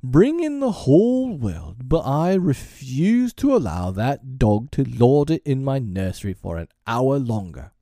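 A man's voice: medium pitch, very animated, normal speed, warm tone, dry recording, clean studio sound, pitched above the performer's own voice. A man voicing a blustering, petulant middle-aged father in a storybook, bombastic and full of wounded pride. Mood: reckless anger. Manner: bombastic, wounded, prone to roaring.

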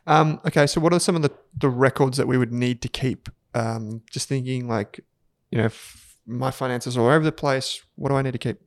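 A man co-hosting a finance podcast, talking in a relaxed, conversational way. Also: medium pitch, a little fast, no echo, clean studio sound. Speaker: podcast co-host. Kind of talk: casual finance podcast chat.

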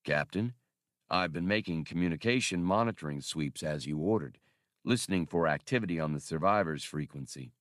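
A deep-voiced servant droid from a space adventure audiobook, played by a male narrator. It speaks formally and precisely, deferential and measured, in a very dry recording. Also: animated, fairly bright tone, no echo. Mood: calm, reporting. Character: polite, dutiful male-voiced labor droid, deferential and literal.

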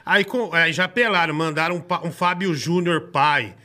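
This is a Brazilian man in his thirties telling a story in casual chat. His voice sits high and sounds bright and forward. He swears easily and acts out the lines of the people in his story. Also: normal speed.

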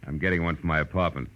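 A man's voice: low voice, lo-fi sound. An American actor playing a wry, worldly, hard-boiled male private detective in clipped 1940s radio style. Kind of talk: 1940s radio detective acting, first-person narration.

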